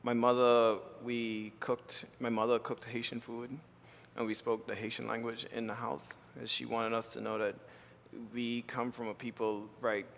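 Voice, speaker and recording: A man from the Bahamas speaks as keynote artist in a live talk, picking his words slowly with many restarts. His mid-pitched voice carries a long reverb from a lecture hall. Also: little pitch movement, gravelly, a little hiss or hum. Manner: thoughtful, halting with repeated restarts. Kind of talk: live panel conversation.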